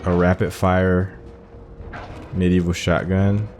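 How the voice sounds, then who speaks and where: Low-voiced man doing casual game commentary. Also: flat delivery, takes it slowly, a little mellow, faint music behind. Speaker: gaming channel host. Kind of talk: casual live playthrough commentary.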